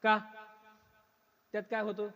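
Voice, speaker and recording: A man's voice: sits high, monotone, unhurried, gravelly, a bit bright, lo-fi sound. A male kirtan preacher giving a humorous sermon to a live audience, teasing them and quizzing the crowd with questions. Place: kirtan gathering before an audience. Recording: long hall reverb.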